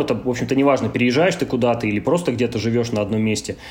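A man's medium-pitched voice carries fairly even intonation, with noticeable background noise behind it. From Russian Far East, Kamchatka. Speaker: emigrant interviewee. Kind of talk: casual interview. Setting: online call. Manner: halting.

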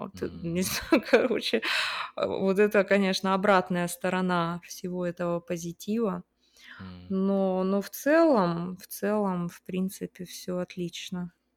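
A woman speaks at a medium pitch in a normal speaking voice, with fairly even intonation and big swings in loudness. The recording is very clean, dry and close, with a silent background and no echo. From Siberia, Russia (Omsk). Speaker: Russian language teacher. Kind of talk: casual interview.

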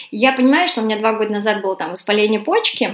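The speaker talks fairly quickly in a normal speaking voice, the pitch varying in an ordinary way. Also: woman. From Russia. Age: 20s. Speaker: immigrant. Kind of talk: casual interview.

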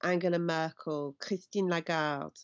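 A woman with an English accent speaks in a fairly low voice. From England. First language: English (speaking Russian). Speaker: writer and stand-up comedian. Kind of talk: interview. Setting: remote call. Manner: halting, with hesitations.

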